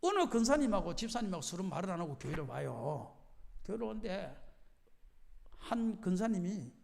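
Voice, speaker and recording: A man's voice: sits high, normal speed, gravelly. A male pastor preaching at a night prayer meeting, joking and firing questions at the congregation. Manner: animated, jokes, quizzes the congregation with questions. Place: church sanctuary. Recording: long hall reverb of a church.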